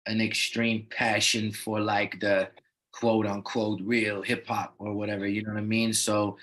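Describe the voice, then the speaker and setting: Low, flat-voiced laid-back male rapper. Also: unhurried. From Netherlands. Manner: laid-back, loose with many "you know what I mean" fillers. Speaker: rapper guest. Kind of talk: casual interview talk.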